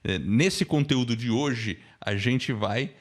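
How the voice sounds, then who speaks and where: A man's voice: mid-range voice, slow. A Brazilian man hosting an online lesson, giving a casual, conversational introduction and often checking in with short tag questions. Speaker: podcast course host and mentor.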